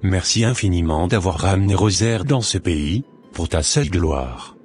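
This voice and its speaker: A man's voice: sits low, animated, moderate pace, a little mellow, soft background music. A man playing a devout, earnest Christian who speaks solemnly and formally in a scripted Christian cartoon. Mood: solemn prayer. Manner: formal, solemn prayer delivery.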